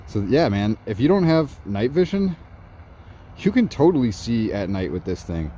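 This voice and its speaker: A man reviewing gear in a casual night vlog, walking outdoors in a suburb and talking excitedly about what he sees. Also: medium pitch, normal speed, a little hiss or hum. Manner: excited, narrating while walking. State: slightly out of breath.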